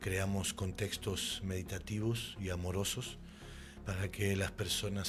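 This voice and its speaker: Music plays in the background as a man with a very deep, low pitch speaks at a fairly slow pace amid audible room echo. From Uruguay. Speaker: spiritual therapist. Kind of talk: radio interview. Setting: radio studio.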